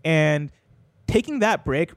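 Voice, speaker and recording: Rambling man, slightly high, dry sound. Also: animated, slow, dry recording. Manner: rambling, many fillers and restarts. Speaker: podcast panelist. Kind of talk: casual group discussion.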